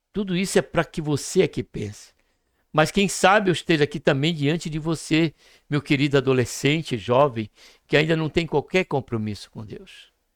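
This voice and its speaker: An unremarkable speaking voice belongs to a man with fairly high pitch, lively intonation and big swings in loudness at a moderate pace. The recording is very clean with a silent background, and the sound is dry and close with no echo. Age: 60s. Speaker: Bible teacher. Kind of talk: sermon-style Bible lesson.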